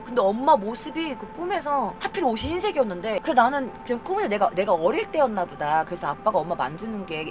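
A young woman streamer telling personal stories in casual, emotional chat from her home streaming room, acting out the lines she quotes from herself. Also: mid-range voice.

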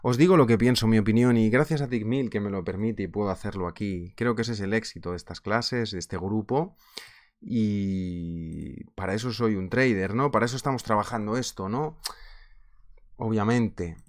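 A man in his thirties with a Spain Spanish accent, teaching a live online trading class in a chatty, animated way, laughing often, from a small office on a webcam. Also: lowish voice, normal speed. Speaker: trading instructor. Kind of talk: casual live webinar teaching.

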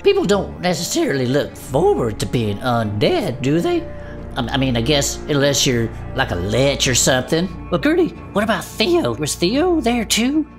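Woman as very animated, slangy adventurer. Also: deep voice, normal speed. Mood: curious. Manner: casual, slangy, expressive. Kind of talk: actual-play audio drama. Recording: music bed underneath.

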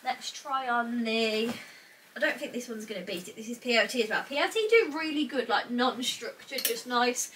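Her voice is a little high with lively intonation and normal speed: a young British woman from England vlogging as she sorts clothes in a small, cluttered bedroom. She's chatty and a bit congested from a cold, thinking out loud and using "like" often. She's recorded from a camera across the room, on a distant mic with faint noise.

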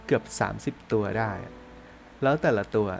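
A man narrating a ghost story in a casual, chatty podcast style, dropping to hushed tones for suspense. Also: lowish voice, moderate pace, over music.

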